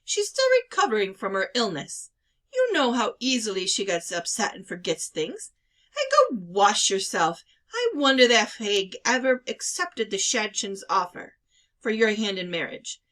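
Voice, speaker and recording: A woman's voice: medium pitch, very animated, fairly bright tone. A woman voicing a bossy, exasperated older sister from a village in a storybook reading. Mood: scolding. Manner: brisk, exasperated, commanding. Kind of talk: children's novel read-aloud.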